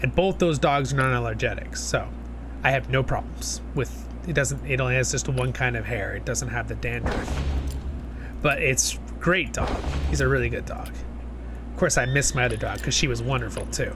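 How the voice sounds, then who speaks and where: A man's voice: mid-range voice, normal speed, noisy background. A man in his twenties from Southern California, chatting casually and rambling to viewers on a live stream while a bit sniffly from a cold. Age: 20s. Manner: rambling, chatty, talks to chat. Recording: music playing behind.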